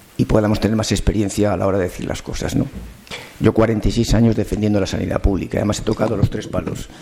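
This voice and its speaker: A medium-pitched man at a very fast pace, with noticeable background noise. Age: 70s. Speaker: retired family doctor. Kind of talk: panel talk.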